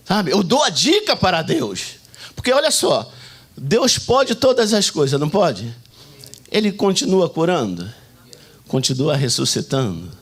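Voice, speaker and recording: A Brazilian man preaching a Sunday sermon, telling stories and acting out shouts and prayers as he goes. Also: on the high side, breathy edge. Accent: Brazilian Portuguese. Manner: animated storytelling, acting out shouts and quoted prayers. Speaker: pastor.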